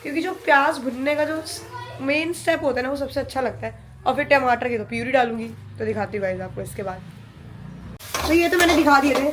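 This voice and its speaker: Female vlogger, high voice, chatty, kitchen clatter in the background. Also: fairly quick, a bit bright, slight background noise. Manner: chatty, addresses viewers as guys. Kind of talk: casual vlog chat to camera.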